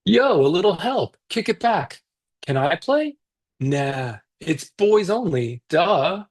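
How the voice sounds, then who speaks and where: Husky guy reading his kids book on a video call, voice jumps all over. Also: sits high, slow pace. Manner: lively, expressive storytelling. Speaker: children's book author. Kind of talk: reading a picture book aloud.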